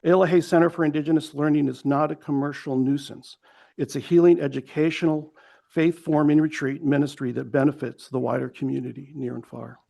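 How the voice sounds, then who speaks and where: A man in his fifties, a pastor, speaks earnestly at a county hearing. His voice sits a touch high and has a gravelly edge. He restarts phrases often and drifts into a story as he goes. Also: fairly even intonation, brisk, mellow. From Hawaii. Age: 50s. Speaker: pastor giving public comment. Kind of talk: public comment at a county hearing.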